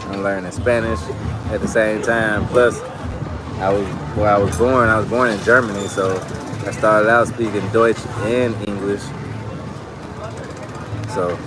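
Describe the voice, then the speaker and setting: Low-voiced man chatting outdoors over music. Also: rough recording. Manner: loose, chatty, many "like" fillers. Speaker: travel vlogger. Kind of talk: casual rambling talk to camera. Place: outdoors at night in a bar district. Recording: outdoor street audio with loud music. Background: music from nearby bars.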